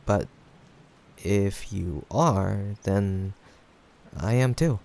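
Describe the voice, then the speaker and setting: A man acting a caring, teasing young guy friend in an intimate audio roleplay. His voice has a gravelly fry and he takes his time, with hesitant pauses. Light noise and rain sit behind him. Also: on the low side, exaggerated voice. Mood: awkward, accommodating. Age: young adult. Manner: halting, hesitant, with sighs and soft chuckles. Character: teasing, affectionate young male friend, awkward but caring. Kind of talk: improvised intimate audio roleplay addressed to the listener. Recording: steady background noise, rain ambience. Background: rain sound effects.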